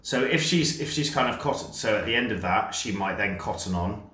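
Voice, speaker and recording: A man's voice: fairly low pitch, animated, a little fast, bright, forceful tone, echoey room. A man working as a dating coach, explaining things step by step in a chatty, casual way with lots of fillers. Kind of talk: casual instructional podcast chat.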